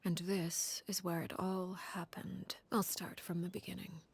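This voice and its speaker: A woman playing a cold, composed, commanding woman in a video game, speaking in a measured, formal, deliberate way. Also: on the low side, flat delivery, in a whisper. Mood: somber, restrained.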